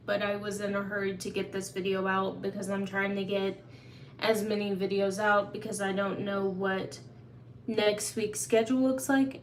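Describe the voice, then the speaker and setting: A woman's voice: medium pitch, slight background noise. A woman from Oklahoma hosting a casual live Q&A, chatty and open as she answers viewers' questions. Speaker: livestream host. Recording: echoey room, faint ambience.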